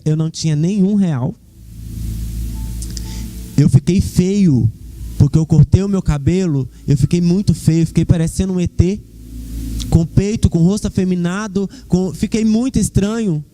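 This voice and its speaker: A young man delivers a fervent church testimony straight to the congregation, whom he calls "queridos." His voice is high with a dark tone.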